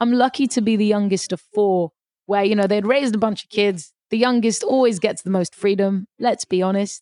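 A woman with a British accent speaks at a moderate pace in a medium pitch, with a dark, mellow tone and fairly even intonation. Her loudness is very even, and the sound is dry and close with no echo. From London, England (also Paris childhood). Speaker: recording artist. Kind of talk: podcast interview.

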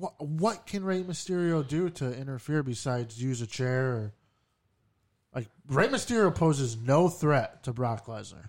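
A man with a normal speaking voice talks with lively intonation. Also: fairly high pitch for a man, moderate pace. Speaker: co-host. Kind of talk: casual banter. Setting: studio.

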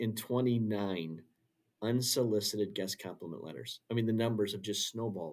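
A man with a slight Wisconsin accent on a very clean recording with a silent background. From rural Wisconsin. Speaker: corporate communications director. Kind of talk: casual interview conversation.

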